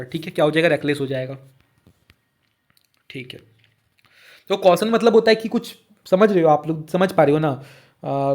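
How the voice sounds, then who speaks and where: A man with a fairly high-pitched voice runs an exam-prep lesson in Hindi, reading words. He goes over each answer again and again and keeps checking that the students follow. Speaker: online tutor.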